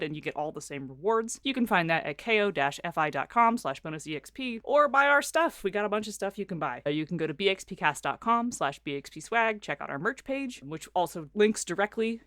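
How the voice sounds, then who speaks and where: A woman with a fairly low voice hosts a podcast in a relaxed, chatty way. She pokes fun at herself and laughs easily. The recording is close and dry. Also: dry recording. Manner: chatty, self-deprecating, laughs often. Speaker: podcast co-host. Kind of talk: casual podcast chat and ad read.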